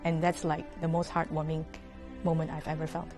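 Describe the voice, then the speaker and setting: A young woman from Malaysia, answering interview questions as a guest orchestra musician in a relaxed way, with many fillers and restarts. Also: low voice, brisk, over music. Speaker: orchestra horn player, guest.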